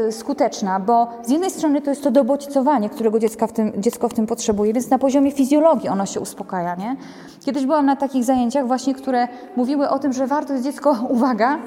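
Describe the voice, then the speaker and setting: A woman giving a conversational lecture on raising children, often tagging sentences with a checking question and acting out little quoted lines. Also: fairly high pitch. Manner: conversational, ends many sentences with a checking "nie?"; animated, acts out quotes. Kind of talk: lecture to a group. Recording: long reverb of a hall.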